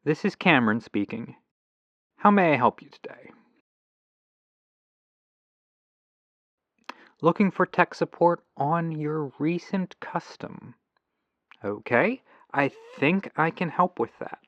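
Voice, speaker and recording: A man's voice: a little high, animated, measured pace, no room sound. A man playing a patient, polite tech support agent in an ASMR roleplay phone call, reassuring and methodical, through a lo-fi telephone filter. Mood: polite, businesslike. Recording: dull lo-fi telephone sound.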